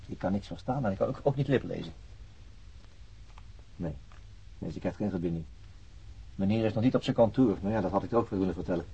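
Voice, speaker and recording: An actor playing a methodical, middle-aged police chief inspector in a radio drama, matter-of-fact and probing, with a husky voice. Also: male voice, low-pitched, fast, pauses often, mellow, full character voice. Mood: muttering, watchful. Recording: dull lo-fi radio drama recording.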